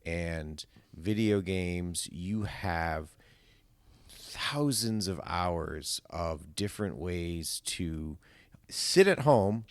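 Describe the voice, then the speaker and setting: A man's voice: deep voice, expressive, very slow, no room sound. A man hosting a podcast in casual conversation, with a wry, dryly joking manner. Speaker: podcast host.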